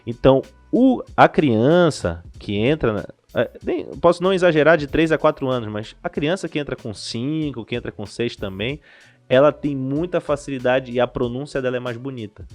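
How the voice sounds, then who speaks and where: A man from Brazil talks in an animated, explanatory way, often stopping to restart a thought. His voice sits at a middle pitch and is picked up on a close podcast mic, with soft music behind him. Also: normal speed. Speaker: language school director, podcast guest. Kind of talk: casual explanatory interview talk.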